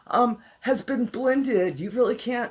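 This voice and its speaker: A somewhat breathy woman with a fairly high pitch speaks at a fairly slow pace with ordinary pitch variation in a very clean recording with a silent background. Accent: American. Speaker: witchcraft channel host. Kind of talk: casual tutorial. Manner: relaxed, conversational.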